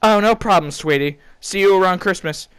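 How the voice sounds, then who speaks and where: A man's voice: high-pitched, normal speed, fairly bright tone, smooth, no room sound, pitched above the performer's own voice. A man voicing a doting, lonely mother of a grown son in a comic story, sweet and fussing. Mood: sweet, coaxing. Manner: sugary, fussing.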